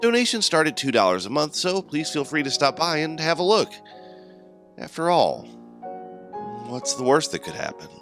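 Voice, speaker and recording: A man's voice: a little high, big pitch swings, moderate pace, over music. A man who creates and narrates a podcast, reading from a script in a polished, prepared style. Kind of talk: scripted announcement and story narration.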